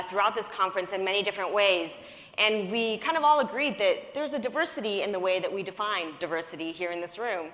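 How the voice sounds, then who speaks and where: Earnest woman speaker raised in the US, Japanese as first language, mid-pitched, conference panel in a reverberant hall. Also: bright, forceful tone. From United States. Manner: earnest, conversational, with frequent um and uh. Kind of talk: conference talk.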